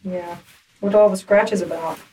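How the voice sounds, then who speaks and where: A woman police detective questioning a suspect in a calm, reassuring, friendly way, heard on old interrogation tape. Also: fairly low pitch, normal speed. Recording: distant interrogation room camera tape.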